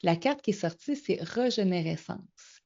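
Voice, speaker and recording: Middle-aged woman, Québécois accent, animated storyteller guest, slightly dull recording. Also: lowish voice, a little slow, vocal fry. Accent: Québécois French. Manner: animated storyteller, acts out quoted dialogue. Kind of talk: casual storytelling interview. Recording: slightly muffled lo-fi audio.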